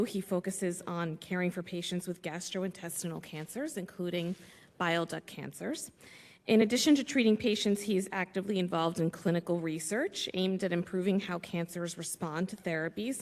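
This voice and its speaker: Echoey woman moderator, lowish voice. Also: a little fast. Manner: informal, repeats words, joking. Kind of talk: introducing speakers at a symposium. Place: large conference hall. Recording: echoey conference hall.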